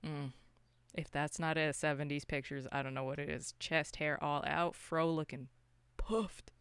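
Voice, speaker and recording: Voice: medium pitch, fairly even intonation, a little slow, fairly bright tone, clean tone, no echo. A podcast co-host chatting casually about films in a loose, rambling, unscripted way. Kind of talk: casual unscripted film discussion.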